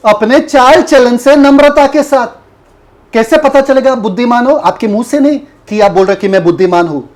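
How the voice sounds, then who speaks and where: Speaking at a normal speed in a very high voice, a preacher delivers a Bible lesson, repeatedly asking his audience questions and repeating whatever they answer. He also mockingly acts out the part of a foolish person.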